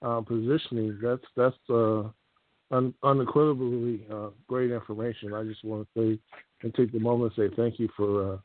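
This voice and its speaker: A man's voice: mid-range voice, little pitch movement, normal speed, dry recording. A man from California calling in to a radio show over a clipped phone line, earnest and grateful, searching for his words. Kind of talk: casual call-in chat. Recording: tinny, dry phone line.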